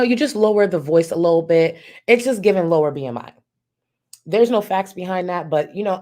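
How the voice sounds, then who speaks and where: A woman hosting a live reaction stream, talking bluntly and mockingly with a lot of profanity in her naturally deep voice. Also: darkish tone. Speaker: streamer, commentary host.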